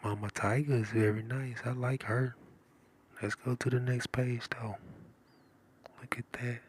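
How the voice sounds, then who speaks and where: A man reading a children's storybook aloud in a soft, partly whispered ASMR style, with lingering repeated remarks. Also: medium pitch, little pitch movement, normal speed, a little hiss or hum. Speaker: live stream story reader.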